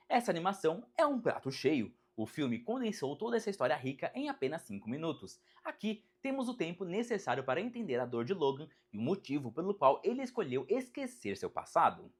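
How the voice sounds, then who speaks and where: With a breathy edge to a mid-range voice, a Brazilian-accented narrator delivers a scripted video essay on animated superhero films in a dramatic, emphatic storytelling style.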